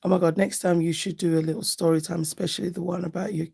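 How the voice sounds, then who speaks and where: A slightly hoarse woman chatting casually and affectionately on a live nail art stream, often thinking aloud as she works. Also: fairly low pitch, level tone, fast, darkish tone. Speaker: nail art livestream host. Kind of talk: casual live chat while doing nails.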